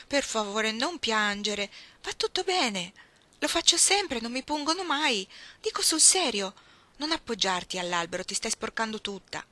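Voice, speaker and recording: A woman reading aloud, voicing Iggy, an impish tomboyish girl who pleads and teases in a raised, bright voice. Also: no echo. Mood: coaxing. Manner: insistent, coaxing, higher and louder than narration.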